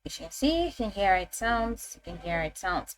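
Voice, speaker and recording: A woman's voice: medium pitch, very animated, brisk, low-quality recording. Woman presenting a tutorial over background noise. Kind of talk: step-by-step screen tutorial narration.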